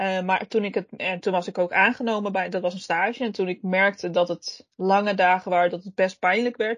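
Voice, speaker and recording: A woman speaks in a normal speaking voice at a moderate pace, her intonation fairly even. The background is quiet. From eastern Netherlands (Enschede, Twente). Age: 20s. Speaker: youth foundation staff member and podcast co-host. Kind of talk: casual conversation.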